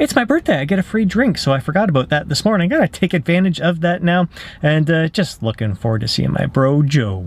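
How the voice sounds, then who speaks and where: A man talks at a very fast pace in an upbeat, enthusiastic tone, with very wide pitch swings, very even loudness and a dry sound with no echo. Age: 40s. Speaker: fitness coach and vlogger. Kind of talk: casual vlog narration. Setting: on the go, outdoors and in restaurants. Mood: cheerful, upbeat. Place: car. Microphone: phone near.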